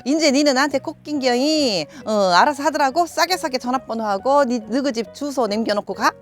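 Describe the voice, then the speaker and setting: A woman's voice: high-pitched, a little fast, faint music behind, pitched above the performer's own voice, natural voice. A woman putting on a bossy Jeolla-dialect woman. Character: brash, bossy Jeolla woman giving orders.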